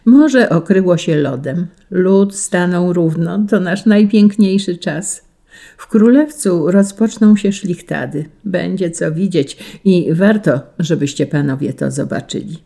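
A woman's voice: fairly low pitch, unhurried, vocal fry, warm tone. A woman voicing a cheerful male estate tenant, urging guests persuasively in a read-aloud story.

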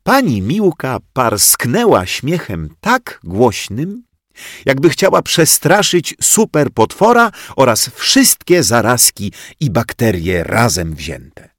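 A man reading a children's story aloud in an expressive, playful way. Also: mid-range voice, takes it slowly, no room sound, clean studio sound. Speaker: audiobook reader.

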